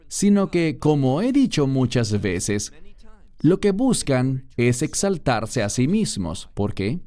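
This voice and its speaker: Slow, animated male preacher. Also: mid-range voice. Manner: emphatic, addresses listeners directly. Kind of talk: sermon.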